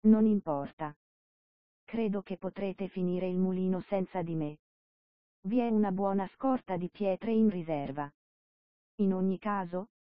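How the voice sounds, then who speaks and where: A woman's voice: on the low side, dry recording, close to an everyday voice. Feeble dying old workhorse, as a woman reads him. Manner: feeble, weak voice. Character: old weary male workhorse, loyal and dying. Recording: dull dry lo-fi recording.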